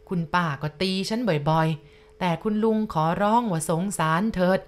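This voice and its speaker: Addressing the listener directly, a woman with a lowish voice slowly and confidingly recounts a ghost story she experienced herself.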